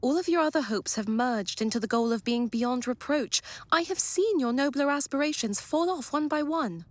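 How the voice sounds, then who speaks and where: Casting: resolute heartbroken young lady, formal period delivery, lightly raised pitch, audio drama. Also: lively intonation, dry recording. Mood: wounded. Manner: measured, earnest, formal. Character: sorrowful, resolute young fiancée releasing her beloved.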